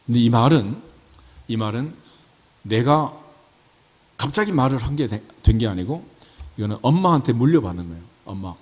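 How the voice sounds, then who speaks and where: A man's voice: medium pitch, animated, normal speed, pauses often, darkish tone, breathy edge. A male pastor preaching a sermon, talking conversationally and tossing rhetorical questions to his congregation. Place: church sanctuary. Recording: reverberant church hall.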